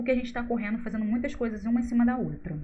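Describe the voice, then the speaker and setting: A woman's high-pitched voice carries with audible room echo. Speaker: grant-writing consultant. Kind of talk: live stream tutorial. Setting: live stream. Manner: fast; casual.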